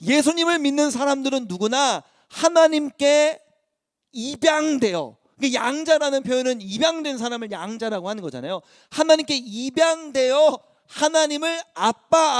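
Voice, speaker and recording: A male youth pastor preaching to high school students, telling stories in a conversational, animated way. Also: no room sound, clean studio sound.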